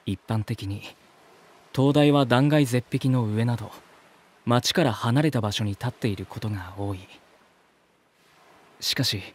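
A man's voice: mid-range voice, measured pace, pauses often, slightly rough. An actor playing an earnest, polite man who narrates his journey reflectively in an audio drama. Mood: reflective narration.

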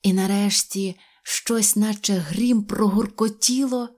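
A woman reading an audio fairy tale in an expressive storytelling manner. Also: mid-range voice, takes it slowly. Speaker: narrator.

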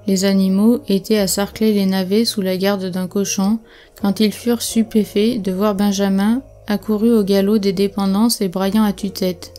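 Faint music sits behind a woman's audiobook narration. Her pitch is medium, and she reads evenly and with measured care.

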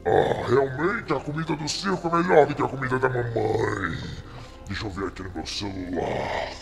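A man with a Brazilian accent voicing a menacing, mocking clown monster in a gravelly, theatrical voice for a horror game role-play. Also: mid-range voice, music in the background, natural voice. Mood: mocking, sly. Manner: drawn-out, taunting, theatrical.

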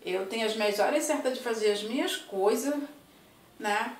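Speaking at a moderate pace in a fairly high voice, an older Brazilian-accented woman chats warmly as a vlog host inside her home, her speech full of diminutives and tender, casual charm. The mic is distant and the recording has a roomy echo.

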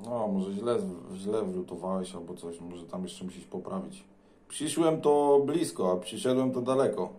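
A man's voice: deep voice, moderate pace, dark tone. A Polish man chatting casually as a CB radio operator, recorded indoors beside his transceiver. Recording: echoey room, faint noise.

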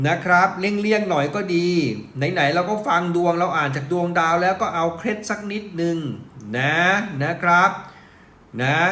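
A man's voice: sits high, a bit bright, roomy sound. A middle-aged man giving a horoscope reading on a livestream, chatty and teasing with viewers and swearing casually. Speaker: astrologer and feng shui master.

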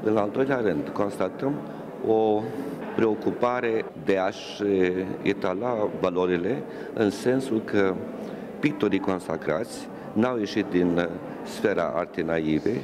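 Older man, very deep voice, formal, deliberate, gallery, noticeable room noise. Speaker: art expert interviewed. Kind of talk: formal interview statement. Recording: noisy room.

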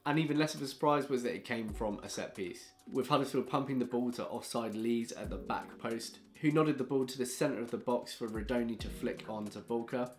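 A man, reading a scripted football match review to camera in a small room, measured and frustrated. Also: mid-range voice, soft background music. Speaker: football fan vlogger. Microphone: fixed camera, close framing.

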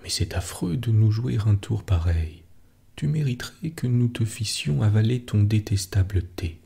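A man softly voicing an indignant young boy in a storybook reading. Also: lowish voice, lively intonation, normal speed, vocal fry, husky, heavily acted. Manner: softly read, hushed.

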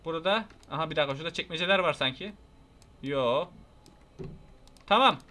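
A young man with a Turkish accent gives casual let's-play commentary, talking straight to his viewers. His voice sits high and sounds bright and forward. He jumps into excitable yelps when something startles him. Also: fairly quick. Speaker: gaming YouTuber.

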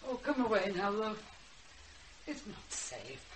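A woman's voice: medium pitch, sing-song, measured pace, slight background noise. An actress playing a blunt, teasing old grandmother in a radio drama. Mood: worried. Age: older.

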